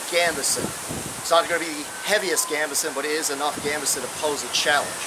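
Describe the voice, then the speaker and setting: A man's fairly high voice, very fast and monotone with flat intonation, amid noticeable background noise and audible room echo. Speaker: weapons tester. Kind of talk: tutorial. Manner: loud.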